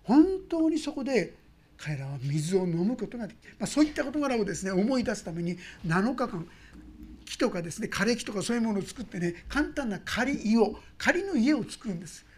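Husky, animated woman preaching a sermon. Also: mid-range voice, brisk. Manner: animated storytelling, swinging between loud exclamations and hushed asides. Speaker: pastor.

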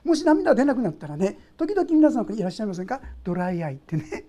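A woman's voice: mid-range voice, sing-song, fast talker, warm tone, highs cut off. A woman preacher giving an emotional, conversational sermon, speaking straight to her listeners.

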